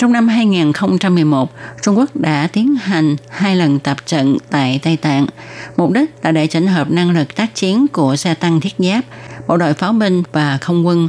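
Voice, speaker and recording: With fairly low pitch and lively intonation, a woman speaks at a fairly slow pace. Her loudness stays very even over noticeable background noise. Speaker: radio presenter. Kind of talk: scripted narration.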